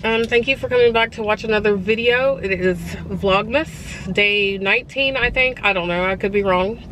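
A woman's voice: medium pitch, normal speed, fairly bright tone, slight background noise, low-quality recording. A middle-aged woman chatting to her camera in a casual vlog, upbeat and rambling with asides. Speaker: vlogger. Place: parked car, then a bedroom.

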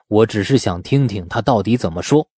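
A man's voice: on the low side, expressive, brisk, mellow, slightly rough, no room sound, clean studio sound, pitched below the performer's own voice. A man voicing a stubborn, disgruntled old village uncle with a grudging manner in an audiobook.

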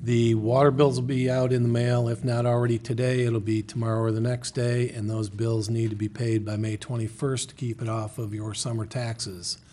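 A man's voice: mid-range voice, level tone, moderate pace, hardly any pauses, mellow. A man speaking as finance director at a council meeting, plain and matter-of-fact. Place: city council chamber.

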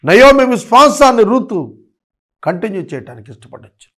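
A man preaching a sermon in a pleading, rhythmic style, repeating phrases and dropping into slow, emphatic English lines with a Telugu accent. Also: extremely high pitch, very animated, fairly bright tone. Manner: pleading, rising and falling emphasis.

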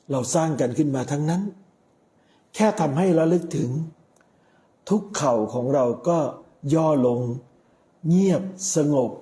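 A middle-aged man, a Catholic priest, preaching a sermon in a measured way with frequent pauses. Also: a little high, dark tone.

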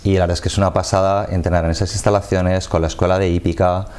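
A man, a football coach explaining his sport in a measured way during a TV studio interview on a lapel mic. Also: low-pitched, level tone, darkish tone, clear, resonant tone. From Madrid, Spain. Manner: measured, explanatory, gestures with hands.

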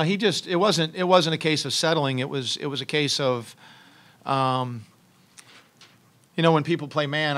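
A man's voice: medium pitch, a bit bright. A middle-aged man, a head basketball coach, answering postgame press questions in a press room, speaking into a table mic with frequent restarts and ums. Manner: halting, many restarts and ums, thoughtful. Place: press room with logo backdrop, seated at table. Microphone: table mic on stand.

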